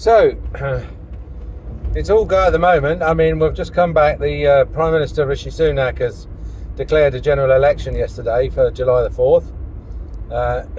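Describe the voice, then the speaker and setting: The pace is moderate, with long, frequent pauses. Light background noise can be heard. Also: man. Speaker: driver vlogger. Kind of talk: casual vlog chat. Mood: wry, mildly annoyed. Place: car. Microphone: phone near.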